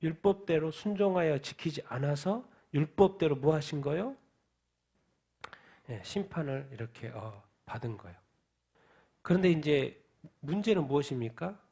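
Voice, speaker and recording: A man's voice: fairly high pitch, expressive, moderate pace, creaky, mellow, slightly rough. A man preaching a midweek sermon who asks questions and answers them himself. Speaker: pastor. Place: church.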